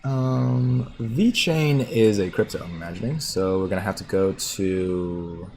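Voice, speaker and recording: Deep-voiced man hosting a chatty livestream. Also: measured pace, a little mellow, a little hiss or hum. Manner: chatty, laughs often, muses aloud. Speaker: livestream host reading viewer comments. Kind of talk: casual livestream chat about stocks.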